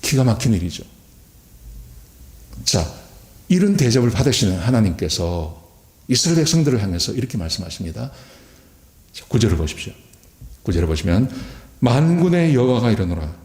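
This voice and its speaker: A man's voice: lowish voice, a little fast, long pauses. A man preaching a sermon as a pastor, addressing the congregation directly and acting out quoted speech. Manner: acts out quoted speech in lively voices.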